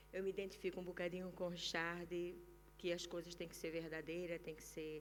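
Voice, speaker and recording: A woman's fairly low, monotone voice with a Brazilian accent, fairly quick and with big swings in loudness, amid audible room echo and noticeable background noise. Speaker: audience member. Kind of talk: audience question. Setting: theatre with audience. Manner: halting.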